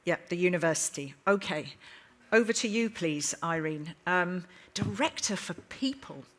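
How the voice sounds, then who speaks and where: A woman's voice: fairly low pitch, expressive, normal speed, a bit bright. A woman moderating a live conference panel in a chatty, emphatic, bantering way, addressing guests and audience informally.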